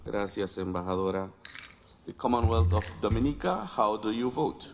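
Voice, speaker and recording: A man's voice: fairly low pitch, animated, measured pace, vocal fry. A man speaking formally and courteously as chair, calling out a roll-call vote in procedural announcements. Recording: noisy assembly room sound in played video.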